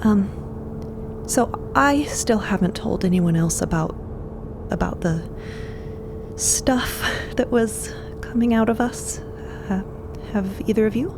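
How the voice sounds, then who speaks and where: A woman's voice: mid-range voice, takes it slowly, long pauses, music in the background, pitched above the performer's own voice. A woman playing a friendly, awkward, eager crew member in an audio fiction show, talking in a casual, rambling way.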